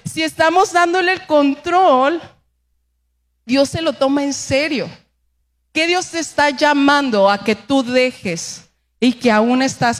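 A woman pastor preaching a lively sermon, asking the congregation questions and acting out the voices she quotes. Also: high voice.

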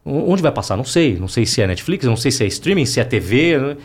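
A man, a voice actor guest talking calmly and reflectively in a casual chat. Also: mid-range voice, quick pace.

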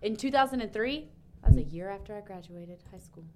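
A woman in her late thirties on a casual podcast chat, telling stories in an emphatic, animated way. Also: mid-range voice, fast talker, a crowd in the background. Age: 30s. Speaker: podcast co-host.

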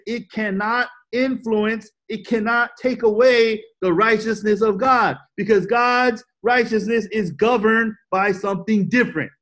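Male pastor, high voice, emphatic preacher who repeats key points. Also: fairly bright tone. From United States. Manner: emphatic, repeats points, asks the audience questions. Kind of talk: sermon.

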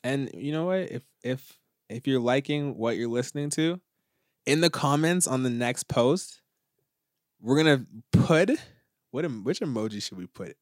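A man's voice: medium pitch, expressive, normal speed, no echo, studio quality. A man co-hosting a podcast, playful, with slangy banter in casual chat. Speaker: podcast co-host.

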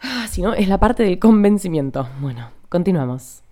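A young woman with an Argentine Spanish accent hosting a casual podcast monologue in a hurried, over-energized, chatty way. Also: medium pitch, lively intonation, mellow. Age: young adult. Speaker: podcast host.

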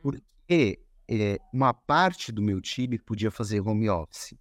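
A man as a podcast guest, telling stories in a relaxed, conversational way with frequent restarts and fillers. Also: fairly low pitch, slow pace, no echo. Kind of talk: casual conversation.

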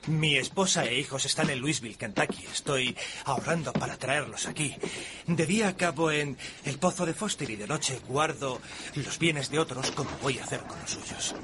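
An actor in a dubbed TV drama playing an earnest frontier preacher who stammers now and then. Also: male voice, medium pitch, normal speed, music in the background, close to an everyday voice.

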